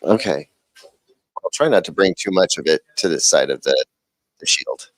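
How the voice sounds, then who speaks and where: Brief: low-voiced man, wry and self-mocking, casual panel banter, dry close mic. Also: animated, moderate pace, no room sound, low-quality recording. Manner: wry, joking, self-deprecating. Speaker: TV shootout panelist. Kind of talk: casual livestream chat. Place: TV viewing room.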